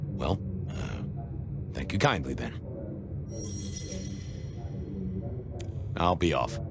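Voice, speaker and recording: An actor playing a persistent, courteous vampire police detective in a noir video game, with colorful old-fashioned phrasing. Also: male voice, very deep voice, animated, unhurried, over music. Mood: deflated courtesy.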